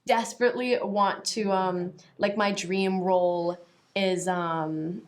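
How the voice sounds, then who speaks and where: Animated young woman telling stories. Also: medium pitch, slow. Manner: animated, rambling storyteller. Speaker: actress guest. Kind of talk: casual press interview.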